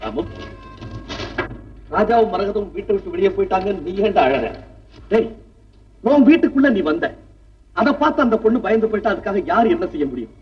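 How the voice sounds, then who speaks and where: A man's voice: high voice, expressive, a little fast, long pauses. An actor playing a stern middle-aged father in a 1960s film drama, scolding yet tender and heavy with grief. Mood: coaxing, reproachful. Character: stern aging father of a grown son. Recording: distant dull 1960s film soundtrack with music.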